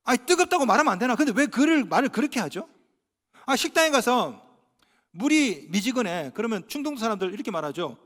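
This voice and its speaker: Lively high-voiced pastor preaching in a reverberant church. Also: male voice, fast. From Gyeongsang Province, Korea. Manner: animated, humorous storytelling with acted-out dialogue. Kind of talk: sermon. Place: church sanctuary.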